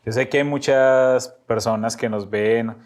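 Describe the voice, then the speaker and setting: A middle-aged man with a Paisa accent from Colombia, a pastor, speaks at an easy mid pitch. He tells long stories, laughs often, and repeats phrases as he goes. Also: fairly even intonation, measured pace. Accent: Colombian Paisa (Antioquia). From Colombia, Medellín. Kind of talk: relaxed storytelling interview.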